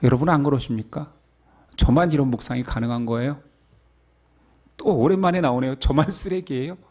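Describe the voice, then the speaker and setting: A male pastor delivers a sermon, posing rhetorical questions to his listeners. His slightly high voice rises and falls in a lively, animated way. He moves between storytelling and direct appeal.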